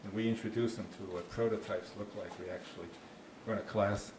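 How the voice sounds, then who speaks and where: ボストン訛りの年配男性、手持ちマイクで気さくに話す。響く部屋、かすかなノイズ。. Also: male voice, lowish voice, fairly even intonation, fairly quick. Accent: Boston. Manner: chatty, restarts often, dry jokes. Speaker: park ranger giving a talk. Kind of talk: informal talk with audience questions. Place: small dark meeting room with slide screen. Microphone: handheld mic. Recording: echoey room with faint noise.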